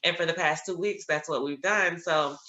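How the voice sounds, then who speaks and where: A woman's voice: low-pitched, normal speed, reverberant, muffled recording. A woman attorney hosting an interview show, chatting and telling stories with plenty of ums. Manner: chatty, many ums, animated when quoting others. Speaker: attorney, podcast host. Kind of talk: conversational storytelling.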